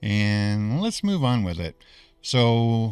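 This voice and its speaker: Music plays in the background while a man speaks. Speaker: gaming YouTuber. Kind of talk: let's play tutorial. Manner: hesitant, many filler words.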